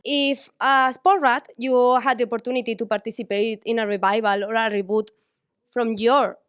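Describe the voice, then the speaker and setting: A woman with a Spanish accent, a native Spanish speaker, interviewing actors in halting English. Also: fairly high pitch, steady tone, clean tone. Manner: halting, searching for English words. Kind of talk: press junket interview.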